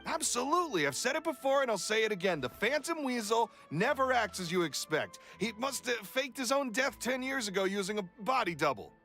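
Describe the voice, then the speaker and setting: A man playing an excitable, opinionated townsperson in a video game, speaking in an emphatic, self-assured way. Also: very high-pitched, a little fast, few pauses, faint music behind, full character voice. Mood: confident, excited. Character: excitable, opinionated male townsperson giving an interview. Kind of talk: animated video game dialogue.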